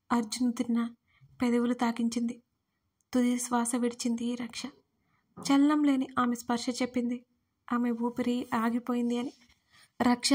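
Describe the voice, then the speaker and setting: A woman storyteller reads a scripted love story in a steady, even manner. Her voice is fairly high and keeps to a narrow, level pitch throughout.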